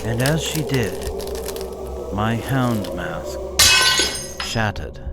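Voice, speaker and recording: A man slowly reading a gothic horror story aloud in a measured, somber way. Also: on the low side, expressive, over loud music. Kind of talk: scripted horror narration. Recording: hissy background noise.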